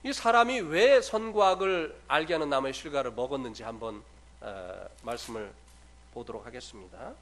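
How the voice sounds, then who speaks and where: A man's voice: medium pitch, moderate pace, fairly bright tone. A man, a former missionary, preaching an evangelistic sermon in a church, telling a personal story with frequent filler sounds and rising to emphatic passages. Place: church sanctuary.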